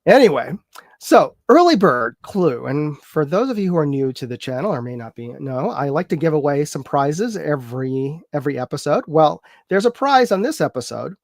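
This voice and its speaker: A man's voice: fairly high pitch, very animated, normal speed, creaky, a little mellow, dry recording, clean studio sound. A man hosting a live chat show, talking casually and rambling a bit, congested from a cold. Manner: rambling, filler-heavy, chatty with viewers.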